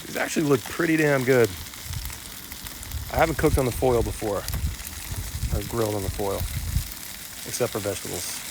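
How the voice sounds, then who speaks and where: A man's voice: medium pitch, fairly even intonation, moderate pace, long pauses, noisy background. Laid-back man chatting while grilling. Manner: rambling, laid-back, swears, clears throat often; talks while eating. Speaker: musician livestreaming to fans. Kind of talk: casual live-stream chat. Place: at home grill, cooking dinner. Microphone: phone live stream. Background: sizzling food on the grill.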